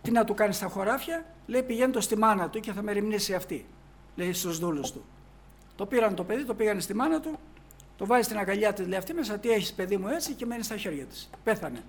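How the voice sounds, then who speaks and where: Guy with a pretty high voice giving a sermon, tells the bible story like a chat, keeps slipping in "he says". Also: lively intonation. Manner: reads archaic scripture slowly, then explains it plainly. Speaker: preacher.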